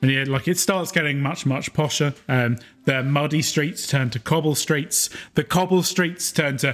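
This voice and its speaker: A man with a British accent, moderate pace and ordinary pitch variation. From Britain. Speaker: streamer and tabletop game master. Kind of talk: tabletop RPG game mastering and narration on a live stream. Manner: frequent fillers and hesitations.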